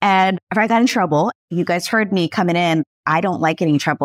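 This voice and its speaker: A woman talks at a fairly quick pace with ordinary pitch variation on a very clean recording with a silent background. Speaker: brand strategist and CEO. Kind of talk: casual interview chat.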